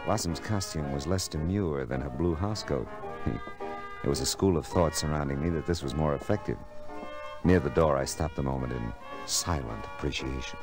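An American actor playing a wry, terse private detective in old-time radio drama style. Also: male voice, a bass voice, normal speed. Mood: dry, narrating. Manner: terse, dry, sardonic. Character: hard-boiled, wry private detective, unflappable and needling. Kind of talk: 1940s-50s radio detective acting and narration. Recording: vintage radio drama with music.

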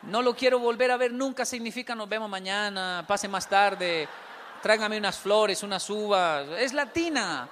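Colombian man, lively storyteller acting out dialogues, high voice, long hall reverb. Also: normal speed, a little hiss or hum. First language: Spanish. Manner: animated storytelling, acts out both sides of dialogues. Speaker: speaker. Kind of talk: humorous talk to an audience.

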